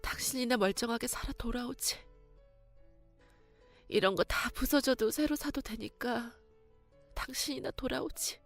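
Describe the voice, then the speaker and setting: Young widow crying her heart out, high shrill wails, soft music under. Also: measured pace, long pauses. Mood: quiet sorrow. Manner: wailing, shrill, crying through the words. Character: grieving young widowed mother, sobbing wildly.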